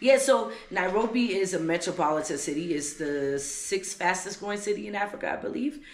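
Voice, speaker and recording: An animated woman's voice at medium pitch, fairly quick with hardly any pauses and lively intonation, over noticeable background noise. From US South, Charleston, South Carolina (Gullah Geechee). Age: 40s. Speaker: business owner and ex-military. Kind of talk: interview conversation. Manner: animated, repetitive stammering.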